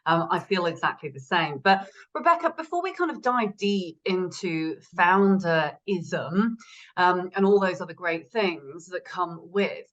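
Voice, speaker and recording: A woman with a low-pitched voice hosts a chatty podcast interview. She speaks casually and effusively, gushing over her guest. The audio is a little dull and lo-fi. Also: lively intonation, unhurried. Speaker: podcast host.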